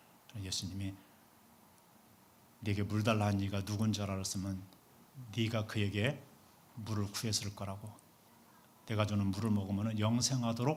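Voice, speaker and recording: A man with a fairly low pitch speaks in a calm, gentle tone with fairly even intonation and long, frequent pauses. Room echo is audible. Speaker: pastor. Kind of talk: sermon. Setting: church. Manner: calm, gentle delivery.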